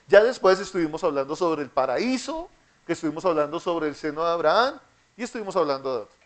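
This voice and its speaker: A man leads an interactive Bible class with a slow, deliberate delivery, constantly asking his students questions and having them repeat after him. His voice is a little high and expressive.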